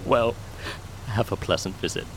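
An actor playing a courteous, folksy older local man in an audio drama, speaking with unhurried, old-fashioned politeness. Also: lowish voice, noisy background, natural voice. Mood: curious, polite.

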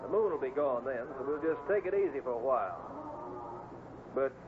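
An actor playing a steady, watchful cowboy foreman giving firm instructions in an old-time radio Western. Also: medium pitch, brisk, natural voice. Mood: firm, cautious. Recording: tinny, hissy vintage radio recording.

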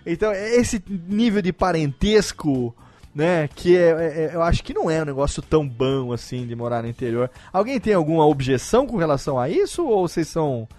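Homem conduzindo podcast descontraído. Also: male voice, on the high side, expressive, brisk, darkish tone, dry recording. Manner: rambling, repeats words, laughs often. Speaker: podcast host. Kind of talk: casual podcast chat.

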